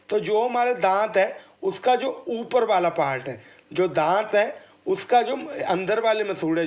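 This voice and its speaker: A high-pitched man, heard in a muffled recording, teaches exam prep step by step. He addresses his listeners as friends, voices letter sounds for them, and answers his own questions.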